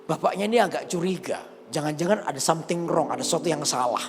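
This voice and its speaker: A male pastor, preaching in a lively, jokey storytelling way and often asking the congregation to agree. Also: fairly high pitch, fast talker. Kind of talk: storytelling sermon. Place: large church hall. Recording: reverberant church hall, faint music.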